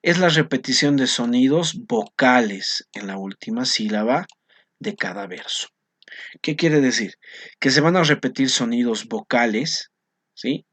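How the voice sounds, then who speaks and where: A man's voice: medium pitch, lively intonation, measured pace, fairly bright tone. A male teacher explaining poetry to his class, often checking in with short tag questions. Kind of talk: recorded class lesson on poetry.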